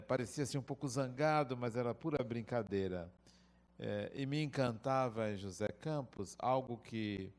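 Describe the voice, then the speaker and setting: A middle-aged man with a Brazilian Portuguese accent giving a lecture, telling personal stories in a reflective, unhurried way. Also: mid-range voice. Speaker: spiritist lecturer. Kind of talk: spoken lecture with personal anecdotes.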